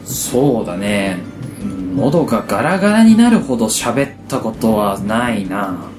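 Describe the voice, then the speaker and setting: A man chatting casually as a co-host in a matter-of-fact, gently chiding manner. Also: on the low side, very animated, unhurried. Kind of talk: casual chat. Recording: echoey room with music behind. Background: background music.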